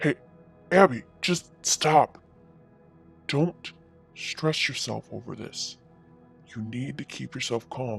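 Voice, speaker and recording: A man's put-on character voice at a fairly slow pace, with long, frequent pauses and faint music in the background. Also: medium pitch for a man. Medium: read story. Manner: calm, soothing.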